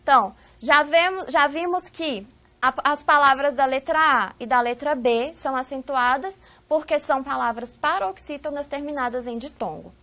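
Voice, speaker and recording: A woman's voice: high voice, normal speed, sharp tone. A woman with a Brazilian Portuguese accent teaching a recorded video lesson, posing questions to the class and answering them herself. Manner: didactic, asks rhetorical questions and answers them.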